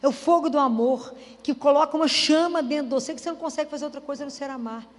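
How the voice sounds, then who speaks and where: A woman's voice: high voice, racing. A woman giving a conversational sermon, acting out little dialogues as she preaches. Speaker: Catholic speaker. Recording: reverberant hall.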